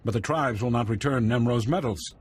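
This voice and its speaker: An actor playing a humble, earnest tribal informant in a video game, speaking in a halting, deferential way. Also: male voice, mid-range voice, slightly rough, lightly acted. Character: humble, earnest tribal villager, an eager-to-help male informant.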